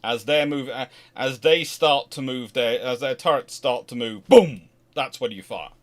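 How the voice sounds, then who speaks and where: A man's voice: mid-range voice, unhurried. A man hosting a casual question-and-answer stream, talking in a rambling way, often restarting his sentences. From Scotland. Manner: rambling, self-correcting, animated asides. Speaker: host answering viewer questions. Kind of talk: casual livestream Q&A.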